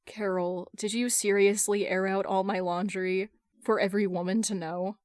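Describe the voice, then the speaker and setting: A woman's voice: medium pitch, flat delivery, normal speed, darkish tone, dry recording, clean studio sound, lightly acted. A woman voicing a hapless, exasperated grown man who gets defensive and flustered, in a fan fiction reading.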